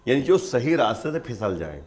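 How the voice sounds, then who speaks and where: A man's voice: medium pitch, sing-song, a little mellow. Male religious scholar; patient, step-by-step explainer. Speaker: Islamic scholar. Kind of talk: religious teaching in conversation.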